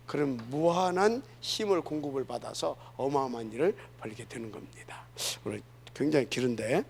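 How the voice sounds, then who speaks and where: A man's voice: mid-range voice, creaky, a little hiss or hum. A middle-aged male pastor preaching a sermon in a church, earnest and emphatic, often asking the congregation questions.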